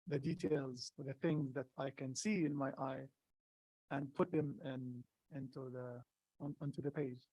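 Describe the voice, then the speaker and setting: A young man from Gaza whose first language is Arabic, a poet answering questions at a live event, halting and earnest with many restarts. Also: medium pitch, steady tone, dark tone, no room sound, rough recording. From Gaza, Palestine. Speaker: poet, guest. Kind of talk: live conversation at a public event.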